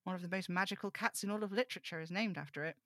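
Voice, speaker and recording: A woman's voice: on the low side, very fast, a bit bright, no echo, clean studio sound. A woman playing a rambling, fretful young amateur occult investigator in an audio drama table read, chatty and self-interrupting, confiding in her listeners. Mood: curious, muttering.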